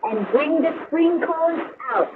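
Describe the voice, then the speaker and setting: A very noisy, phone-thin shortwave signal carries a high-voiced woman from Hawaii. She speaks as an upbeat radio co-host in scripted banter. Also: expressive, takes it slowly, phone-quality sound. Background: loud shortwave static.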